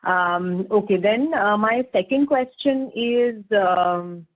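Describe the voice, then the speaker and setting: A woman's voice: mid-range voice, slow pace. A woman asking questions as an investor on a formal conference call, wordy and hesitant in her phrasing. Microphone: phone. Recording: muffled narrowband phone line.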